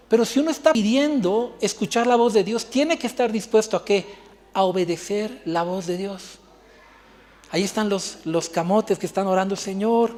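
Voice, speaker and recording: A man's voice: sits high, a little mellow, big-room sound. A male pastor preaching a sermon, telling a personal story and acting out the dialogue. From Bolivia.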